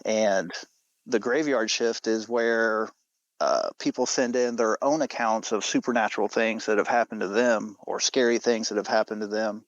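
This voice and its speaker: A man's voice: on the low side, fairly even intonation, normal speed, dry recording, highs cut off. A man speaking casually as a podcast guest. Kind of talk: casual chat.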